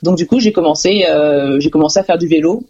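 Husky French woman on a muffled line. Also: low voice, brisk, warm tone. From Marseille, France. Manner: chatty, laughs often, many fillers. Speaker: guest, cyclist. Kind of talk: casual interview chat.

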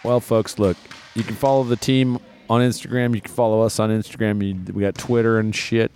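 A man co-hosting a comedic podcast, calling a game with deadpan, mock-solemn commentary from courtside in a gym. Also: lowish voice, brisk, slight background noise. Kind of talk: improvised comedic play-by-play. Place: indoor gym.

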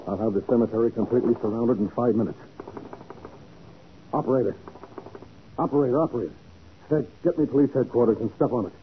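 An actor playing a blunt, slangy, skeptical police sergeant in a 1940s radio crime drama. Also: male voice, medium pitch, fast talker, pauses often, close to an everyday voice. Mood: urgent, businesslike. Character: gruff, slangy, skeptical male police sergeant, loyal sidekick. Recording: noisy, narrow-band 1940s radio recording.

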